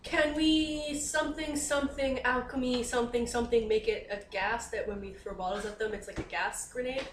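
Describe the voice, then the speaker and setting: Woman player thinking out loud, halting, kinda high voice, off mic, echoey room. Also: fairly even intonation, far from the mic, slight background noise. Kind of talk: casual tabletop play.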